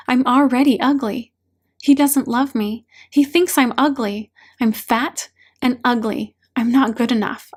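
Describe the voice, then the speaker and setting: A woman's voice: fairly high pitch, darkish tone. A woman voicing a hurting daughter in a therapy story, wounded and pleading with her father in an emotional way. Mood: wounded, dejected.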